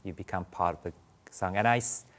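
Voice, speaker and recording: A man's voice: low-pitched, fast talker, fairly bright tone. A man in his forties from Japan with a Japanese accent, answering interview questions thoughtfully in a studio, with many fillers and restarts. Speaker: Buddhist priest guest.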